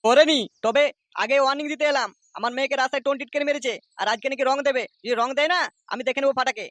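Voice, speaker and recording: An actor plays an angry father, a blustering local tough in a comedy cartoon. He threatens at a furious speed in a high, dry-sounding voice. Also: racing, fairly bright tone, dry recording. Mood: menacing, warning. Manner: threatening, hectoring. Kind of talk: comic cartoon dialogue.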